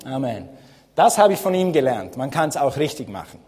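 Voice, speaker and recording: A Swiss guest pastor delivers a friendly, chatty sermon in a church hall, speaking Standard German with a Swiss German accent. His mid-range, mellow voice is brisk and sing-song, rising for emphasis, and he laughs often. The hall adds long reverb.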